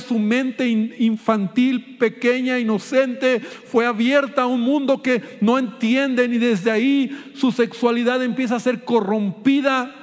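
High-voiced pastor preaching urgently. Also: male voice. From Mexico. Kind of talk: sermon. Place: large church hall. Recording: church hall with long reverb.

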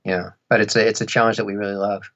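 Halting, jokey man on slightly dull audio. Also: lowish voice, flat delivery, a bit bright. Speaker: podcast guest, audiobook narrator. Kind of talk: casual chat.

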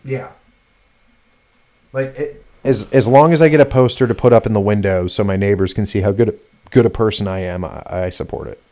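A fairly low-voiced man hosts a political talk show in loose, casual chat. He talks in a sarcastic, mocking way and swears freely. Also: a little fast, dark tone. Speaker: podcast host.

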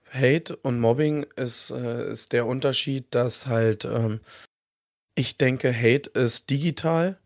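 A hoarse man chatting on a podcast, hesitant and working from his notes. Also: mid-range voice, no echo, studio quality. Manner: hesitant, many fillers, reads from notes. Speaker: podcast co-host. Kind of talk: casual podcast chat.

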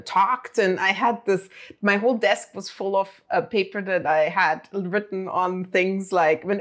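Middle-aged german-native woman, chatty, lots of ums and restarts, mid pitch. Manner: chatty, many fillers and restarts. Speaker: interview guest. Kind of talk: casual storytelling.

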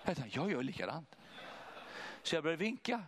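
A man preaching, telling a personal testimony in an animated way and acting out what others said. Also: a little high, background noise. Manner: animated, acts out voices of others. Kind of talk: testimony storytelling.

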